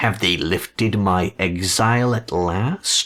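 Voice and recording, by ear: A man puts on a raspy character voice with a fairly low pitch. He speaks at a fairly slow pace.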